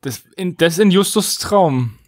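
A man's voice: high-pitched, expressive, unhurried, a little mellow. A man co-hosting a podcast in casual, conversational talk. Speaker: podcast host. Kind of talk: casual chat.

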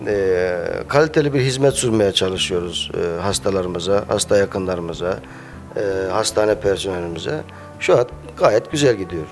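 A man's voice: sits low, moderate pace. A man in his thirties who owns a cafe, answering interview questions hesitantly with many filler sounds, speaking into a handheld mic held by the interviewer in a small cafe. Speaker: cafe owner. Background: faint music.

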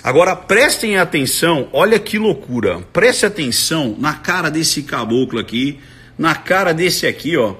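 A Brazilian man giving excited live commentary as a body language analyst, breaking into sudden shouts. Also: a little high, normal speed. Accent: Brazilian Portuguese.

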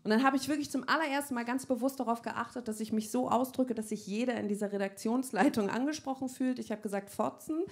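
Brash high-voiced woman doing stand-up. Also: steady tone, quick pace, few pauses. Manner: brash, unfiltered, laughs at own jokes. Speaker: stand-up comedian. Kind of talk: stand-up comedy set. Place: comedy club stage with live audience.

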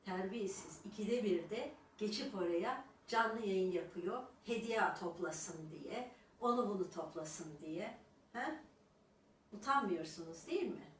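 A woman's voice: mid-range voice, expressive, unhurried, a little hiss or hum. Scolding woman, roomy and distant. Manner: scornful, lecturing, with repeated rhetorical "Ha?". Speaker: YouTuber addressing her critics. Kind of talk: scolding monologue to viewers.

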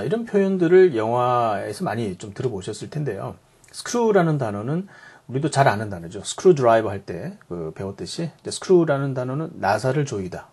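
A man with a rough, husky voice teaches everyday English expressions. He explains each phrase in Korean, then repeats it in English with a pitch that rises and falls a lot. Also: darkish tone.

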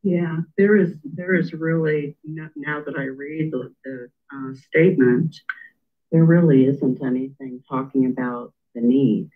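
A man's voice: fairly high pitch, unhurried. A council member, a man, speaking casually and hesitantly in a meeting discussion, heard over thin phone-like audio.

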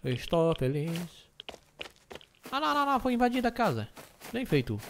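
A man with an Algerian accent, mixing Arabic and French sounds, loudly and excitably commentating his own gameplay. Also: very high voice, brisk, slight background noise. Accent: Algerian, Arabic and French mix. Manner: loud, excitable, shouts into the mic. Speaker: gaming YouTuber. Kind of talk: let's play commentary.

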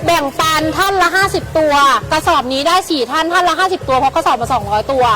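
A woman live-stream seller giving fast, hyped, repetitive sales patter, chummily calling out to her customers. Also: animated. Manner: repetitive, insistent pitching with chummy address to customers. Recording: music playing behind the voice. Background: clear background music.

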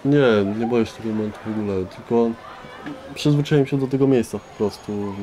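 A young man speaking informally and haltingly, giving candid personal testimony. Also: lowish voice, dark tone. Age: teenager or young adult. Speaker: resident of a youth care centre. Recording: faint background noise.

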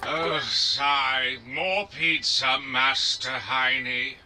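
A man's voice: mid-range voice, steady tone, noisy background. An actor playing a polite, weary male robot butler who serves without complaint. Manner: slow, drawn-out, sighing servant's speech. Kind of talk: cartoon voice acting.

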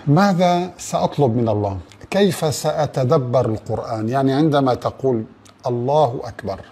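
A man's voice: mid-range voice, warm tone, slightly rough. A man giving a religious talk in an earnest way, asking rhetorical questions and speaking straight to the listener.

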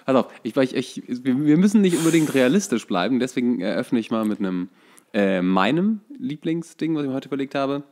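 A man's voice: medium pitch, sing-song, fairly quick, darkish tone. Man, casual podcast chat. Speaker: podcast co-host.

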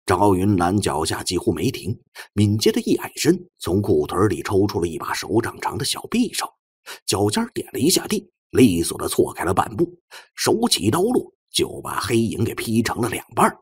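A man's voice: lowish voice, sing-song, moderate pace, breathy edge, no echo, studio quality. A man reading an audiobook as a dramatic, scripted narration.

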